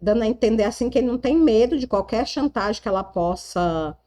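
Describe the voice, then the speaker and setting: A woman with a Brazilian Portuguese accent retells a romance novel in a chatty, casual storytelling style, sprinkling in lots of tag questions. Her voice is fairly high, quick and mellow.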